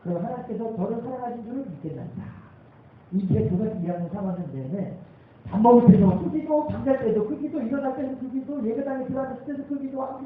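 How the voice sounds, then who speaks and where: A male pastor telling a story from the pulpit, his voice swinging up and down with animated emphasis. It is picked up from a distance in a very echoey sanctuary, over a thin, phone-like line. A faint hiss sits underneath. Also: very high-pitched. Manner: animated storytelling, building to emphatic calls to the congregation. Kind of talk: sermon. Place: church sanctuary. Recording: tinny, very echoey hall, voice from far off.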